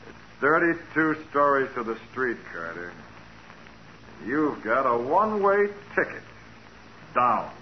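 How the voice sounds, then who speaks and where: An actor playing a cold, gloating killer with a menacing, mocking delivery in a 1940s radio crime drama. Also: male voice, medium pitch, very animated, slow, pauses often. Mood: gloating threat. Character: cold, gloating male killer and crooked businessman with a gun. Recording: muffled, hissy 1940s radio recording.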